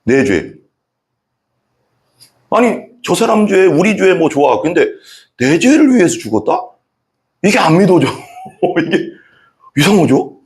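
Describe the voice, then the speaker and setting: A male pastor tells his own testimony from the pulpit, and his pitch climbs and drops all over as he acts out his parents and teacher. His voice sits a little higher than most men's. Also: gravelly. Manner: animated storytelling, acting out his parents and teacher. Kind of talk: sermon with personal testimony.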